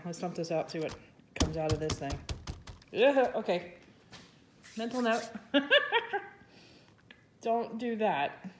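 With slight background noise in the mix, a resin artist hosting her channel chats through a casual crafting demonstration at a table. Her voice is medium-pitched and a little mellow, described by others as soothing, and she muses aloud while gently mocking herself.

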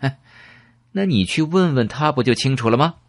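A man's voice: medium pitch, animated, moderate pace, no echo, pitched above the performer's own voice, close to an everyday voice. A man voicing a cocky young gunman, brash and commanding. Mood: sly.

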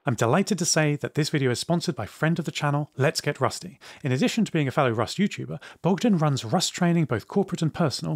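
A man's voice: a little high, slightly rough, no room sound. A man reading a scripted sponsor message as a YouTuber, recorded as a close voice-over.

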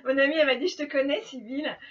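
A woman's voice: high-pitched, rapid-fire. A tired middle-aged woman chatting casually to her viewers while doing her makeup, laughing often and talking to them directly. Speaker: beauty vlogger. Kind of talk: casual makeup chat to camera. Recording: slightly dull home recording with faint noise.

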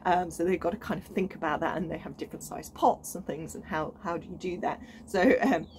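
A woman's voice: lowish voice, fairly quick, a little mellow, a little hiss or hum. A woman in her thirties with a British accent, chatting casually to camera on her allotment, enthusiastic and full of ums and restarts. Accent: British English. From United Kingdom. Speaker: gardening vlogger. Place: outdoors on an allotment plot.

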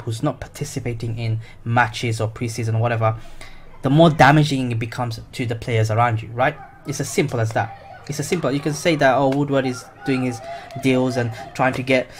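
A man's voice: medium pitch, a little hiss or hum. A young man giving blunt, opinionated football commentary, repeating himself with many fillers. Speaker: football vlogger.

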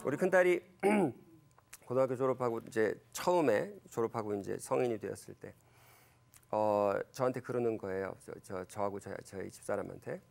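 In a church lecture, a man in his fifties retells Bible scenes and family stories, full of fillers and self-corrections. He's animated, acting out quoted lines with big jumps in pitch. His pace is moderate and his voice has vocal fry.

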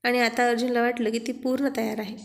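A woman's voice: fairly high pitch, little pitch movement, fast talker, creaky. A woman narrating a romantic story and reading the lovers' dialogue in her own voice. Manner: reads both lovers' lines in her own voice.

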